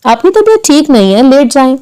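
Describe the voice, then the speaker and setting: Woman reading young wife, caring, soft, insistent, slightly high voice. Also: sing-song, fairly quick. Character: caring young wife, gentle but firm.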